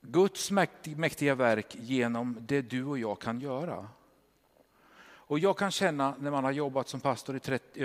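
Swedish pastor preaching in a reverberant church. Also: male voice, medium pitch. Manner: animated storytelling with frequent tag questions. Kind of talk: sermon. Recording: long hall reverb.

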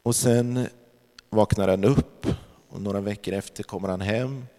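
A man sharing a spiritual testimony in a sermon-like talk, telling the story reflectively with pauses and fillers. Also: lowish voice, steady tone, dark tone. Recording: long hall reverb.

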